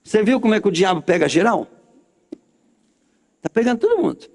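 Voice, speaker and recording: High-voiced Brazilian pastor leading prayer. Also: male voice, very animated, fairly quick, big-room sound. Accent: Brazilian Portuguese. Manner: leads the congregation in repeat-after-me prayer phrases.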